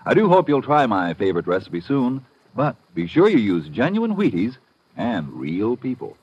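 A man's voice: mid-range voice, huge pitch swings, normal speed, a little mellow, slightly rough. An American man reading a folksy, playful 1950s radio advertisement as the announcer. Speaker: commercial announcer. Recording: dull, roomless old radio recording.

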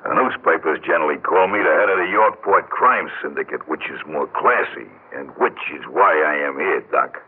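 An actor playing a blunt, menacing big-city gangster boss with slangy tough-guy talk and a husky voice, in a 1940s-style radio drama. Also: extremely low pitch, brisk, few pauses. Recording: tinny old radio recording.

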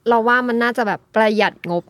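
A woman's voice: a little high, fairly even intonation, fast talker, no echo. A woman from Thailand chatting casually as a podcast guest, explaining things in a loose, informal way. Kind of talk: casual chat.

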